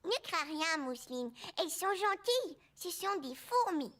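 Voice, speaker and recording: An actor voicing a curious, gentle four-year-old boy in a children's cartoon, patiently explaining things to a younger child. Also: very high voice, big pitch swings, moderate pace, exaggerated voice. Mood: reassuring.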